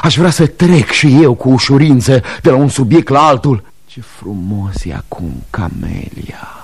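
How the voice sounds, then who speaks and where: A man's voice: medium pitch, husky, natural voice. A man acting a timid, self-pitying middle-aged functionary in an old radio play, pleading and hesitant. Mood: yearning. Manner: plaintive and hesitant, pleading, veering between mumble and whine. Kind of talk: 1970s radio drama acting.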